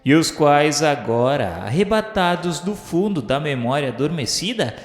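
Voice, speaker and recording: A man's voice: on the high side, very animated, moderate pace. A Brazilian man reading a novel as grave, declamatory, formal dramatic narration. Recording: roomy long reverb with music.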